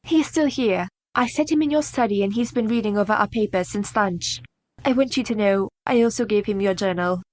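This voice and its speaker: An actress in a radio play playing a devoted, capable young wife who speaks in a polite, earnest and formal way. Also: female voice, mid-range voice, fairly quick, darkish tone, lightly acted.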